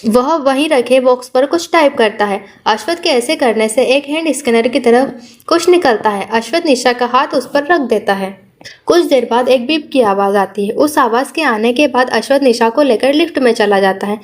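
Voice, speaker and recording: A woman narrating a romance audiobook in a steady storytelling style. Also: high voice, moderate pace.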